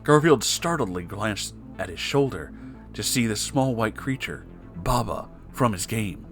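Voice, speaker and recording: A man's voice: lowish voice, animated, a little slow, a bit bright, soft background music. Theatrical man reading a comic story. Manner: theatrical, mock-serious. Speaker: story reader. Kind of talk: comedic dramatic reading of fan fiction.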